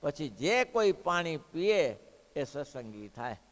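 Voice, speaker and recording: A man's voice: on the high side, very animated, takes it slowly. A man voicing a devout old village woman who pleads earnestly with a holy guest, in an echoey hall. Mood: pleading.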